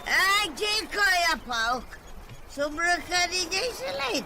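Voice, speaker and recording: Fussy elderly grandmother, played by an actor, wildly swinging high pitch, dragging pace, noisy recording. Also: sing-song, exaggerated voice. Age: older. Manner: halting, many hums and interjections. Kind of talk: Ilocano audio drama acting.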